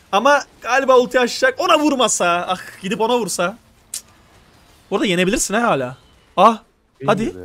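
A young man streaming live, coaching players through a strategy game with urgent, animated instructions. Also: high voice.

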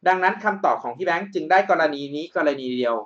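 A male math tutor talks through a problem on a screen recording, patient and methodical, often checking that the listener is following. His voice sits a little high for a man. The audio is dull and lo-fi, like a cheap desktop mic. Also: lively intonation, fast talker, a bit bright. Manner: patient, explains step by step and checks understanding.

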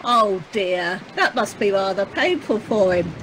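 A woman's voice: medium pitch, lively intonation, measured pace, natural voice. A woman playing a cheeky, officious manservant in an audio pantomime, with a dry, mock-formal manner. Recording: faintly noisy video-call recording.

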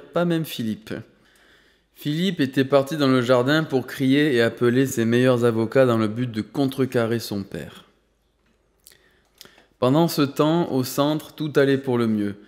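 Un homme qui lit un roman en narration posée et mesurée. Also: male voice, medium pitch, a little mellow. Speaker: audiobook narrator. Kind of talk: scripted narration. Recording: long hall reverb.

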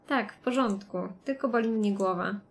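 A woman's voice: mid-range voice, normal speed, lightly acted. A woman reading the lines of a young man who survived a plane crash in a game, in a plain read-aloud way. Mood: dazed.

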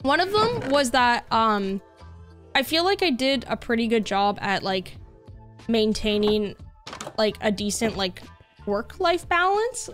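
Young woman game streamer: upbeat, rambling casual chat, a touch high-pitched. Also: sing-song, measured pace, a bit bright, faint music behind. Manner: bubbly, chatty, many filler "like"s.

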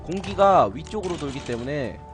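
A man's voice: fairly high pitch, expressive, normal speed. A man giving let's play commentary with a playful, cocky manner, explaining each step to viewers and jokingly scolding the game's citizens. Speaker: gaming video host. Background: loud game music.

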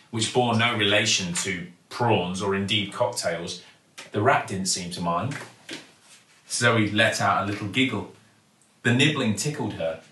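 A British man in his forties reading a children's bedtime story expressively, with theatrical pauses and emphasis. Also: fairly low pitch, pushed and bright. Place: living room at home, indoors. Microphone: camera or phone a few feet away. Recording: roomy, mic at some distance.

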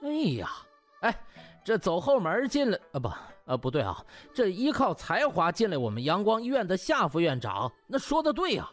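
Man playing a high, mocking young doctor. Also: wildly swooping pitch, moderate pace, faint music behind. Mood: mocking, animated. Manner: mock-deferential, singsong needling. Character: cocky, sarcastic young male doctor mocking his superior.

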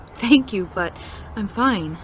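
A woman's voice: medium pitch, lively intonation, slow, a little hiss or hum, poor audio. A woman playing an anxious young girlfriend in a romantic comic dub. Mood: uneasy.

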